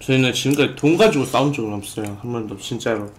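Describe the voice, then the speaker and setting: A man's voice: mid-range voice, fast, slight background noise. A young man co-hosting a live mukbang stream, politely answering viewers' questions and thanking donors, recorded in a small room. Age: young adult. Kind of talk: casual chat, reading viewer donations. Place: small room indoors at a food-covered table.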